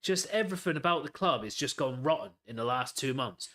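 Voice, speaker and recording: A man's voice: medium pitch, lively intonation, brisk, fairly bright tone. A man hosting a live football watchalong, calling the play and ranting bluntly with lots of swearing. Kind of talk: live match commentary and rant.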